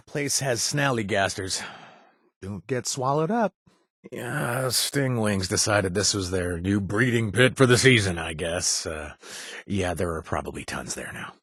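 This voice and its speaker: An actor playing a wry, chatty wasteland informant in a video game, husky, with a hesitant, rambling delivery and joking asides. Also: male voice, lowish voice, fairly bright tone, dry recording, clean studio sound, exaggerated voice. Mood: casually warning. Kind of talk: video game voice acting, casual spoken tips.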